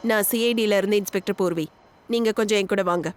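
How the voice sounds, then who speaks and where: Woman playing a brisk police inspector. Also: medium pitch, a little hiss or hum, lightly acted. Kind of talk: dubbed TV crime drama.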